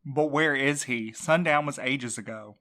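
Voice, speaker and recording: A woman's voice: a bass voice, a little slow, fairly bright tone. A woman voicing a blunt, sardonic widowed courier in an audio drama. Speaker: night courier.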